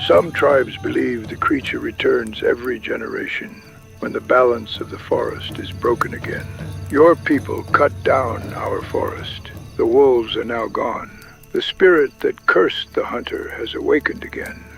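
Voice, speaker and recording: A man playing a solemn older Native American chief in an audio drama, speaking gravely and with foreboding. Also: mid-range voice, unhurried, a bit bright, poor audio. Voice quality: gravelly, creaky. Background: music and night insects.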